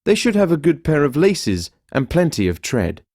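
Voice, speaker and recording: Mellow man reading a commercial voice-over. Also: on the high side, big pitch swings, moderate pace, no room sound, studio quality, faint music behind.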